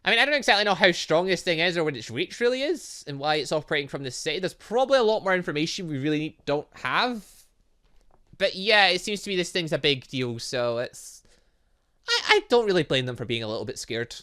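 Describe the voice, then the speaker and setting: A man doing let's play commentary on a visual novel, thinking aloud in an animated way. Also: a little high, brisk. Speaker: gaming video host.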